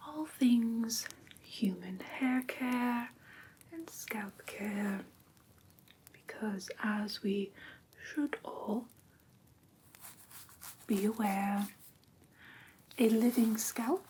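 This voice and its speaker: A woman voicing a prim, strict vampire teacher in a soft, breathy whisper, formal and precise, for an ASMR roleplay class. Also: mid-range voice, slight background noise, lightly acted, rough recording. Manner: formal, precise, deliberate, theatrically stern. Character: prim, strict female vampire teacher of human pet care. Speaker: ASMR performer.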